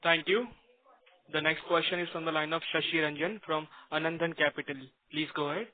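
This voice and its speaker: A man works as moderator of a conference call, reading formal, scripted announcements. His voice is fairly high and monotone. The line sounds thin, like a telephone. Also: fairly quick. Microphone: phone conference line. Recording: tinny narrow phone line.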